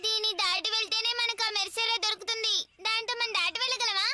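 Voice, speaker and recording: A woman's voice: extremely high pitch, steady tone, quick pace, recorded from a distance, very noisy. A woman voicing a small, bold, whiny Stone Age child in a dubbed children's cartoon. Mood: bossy, indignant. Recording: loud cartoon music behind.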